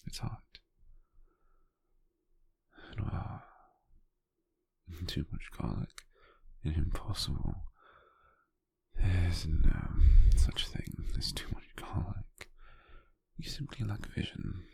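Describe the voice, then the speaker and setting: A British man playing a gentle, doting, teasing lover in an intimate, breathy, half-whispered ASMR roleplay, close to the microphone. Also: low-pitched, dry recording, heavily acted. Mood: playful teasing. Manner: slow, tender, softly teasing.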